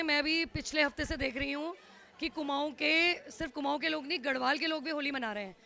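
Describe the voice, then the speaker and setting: A woman answers a reporter's questions outdoors at a festival. Her high voice is gravelly and bright. She speaks at length and without pause. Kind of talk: interview answer.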